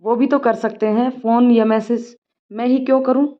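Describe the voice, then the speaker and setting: A woman's voice: on the high side, fairly even intonation, normal speed, close to an everyday voice. Woman doing a proud, teasing young woman doctor. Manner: huffy, teasing. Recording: dull lo-fi recording.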